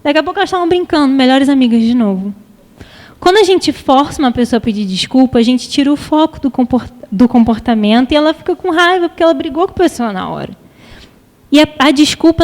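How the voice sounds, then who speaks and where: A woman's voice: high voice, darkish tone. A Brazilian woman giving a public talk on emotional education, speaking conversationally and putting questions to the audience. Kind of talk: public lecture with anecdotes. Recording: long hall reverb.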